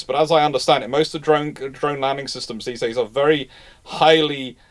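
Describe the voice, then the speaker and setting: A man hosting an unscripted live question-and-answer chat, rambling and restarting his phrases mid-thought. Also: on the high side. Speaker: host of a live naval history question show.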